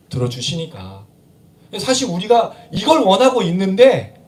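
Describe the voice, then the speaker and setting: A male pastor preaches in a church with a high voice, heard from a bit away from the mic. He keeps asking the congregation questions and slips into little acted-out prayers and scoldings. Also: far from the mic. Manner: conversational preaching with rhetorical questions; acts out quoted prayers and scoldings. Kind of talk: sermon. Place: church sanctuary.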